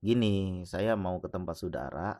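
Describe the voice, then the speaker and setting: A man retelling the words of a poor, quiet and polite teenage boy in soft, hesitant replies. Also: low voice, normal speed, no room sound, clean studio sound, natural voice.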